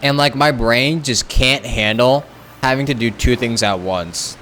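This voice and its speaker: A man's voice: mid-range voice, a little slow, fairly bright tone, slight background noise. A man streaming a game live, chatting in a rambling, casual way and saying "like" a lot.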